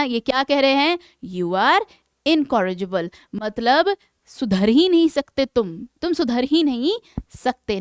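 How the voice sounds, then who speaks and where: A woman teaches English vocabulary for exam prep, explaining in Hindi and reading English example sentences slowly and deliberately. Her voice is high-pitched, clear and resonant, with no room sound. She keeps checking in with students using "है ना".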